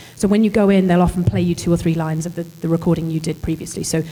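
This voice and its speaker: A woman's fairly low voice over noticeable background noise. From Wales. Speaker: voice actor. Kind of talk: convention panel talk.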